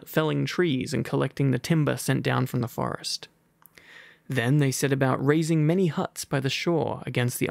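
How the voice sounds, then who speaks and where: Sleepy gravelly British RP man. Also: medium pitch, no room sound. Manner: drowsy, soft and playful, with gentle whispers. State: sleepy and overfull. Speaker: ASMR roleplay boyfriend. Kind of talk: soft ASMR storybook reading and pillow talk.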